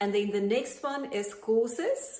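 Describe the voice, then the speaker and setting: Speaking in an enthusiastic tone, a woman with a South African accent talks at a medium pitch. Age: 40s. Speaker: artist and online business promoter. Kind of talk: sales pitch. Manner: casual, enthusiastic.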